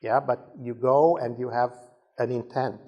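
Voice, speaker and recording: A man's voice: mid-range voice, steady tone, unhurried, highs cut off. A man giving a conversational leadership talk to a Christian audience, often stumbling over and repeating words. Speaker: conference speaker.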